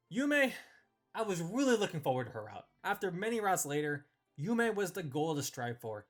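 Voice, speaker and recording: Animated, higher-voiced man giving opinionated commentary. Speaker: host ranking visual novel characters. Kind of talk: scripted opinion commentary for a tier list video.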